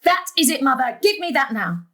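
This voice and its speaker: A woman's voice: high-pitched, very animated, fairly quick, sharp tone, heavily acted. An actress playing a long-suffering middle-aged daughter and mother in an audio drama, emphatic and sarcastic. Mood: firm, fed up. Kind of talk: stage-style audio drama acting.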